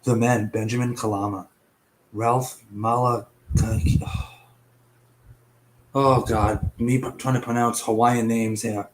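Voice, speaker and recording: This young host takes it slowly in a flat, mid-range voice with long pauses, narrating a casual online mystery show. He's chatty and a bit profane, stumbling over names, coughing, his voice partly gone. The recording is rough, with slight background noise.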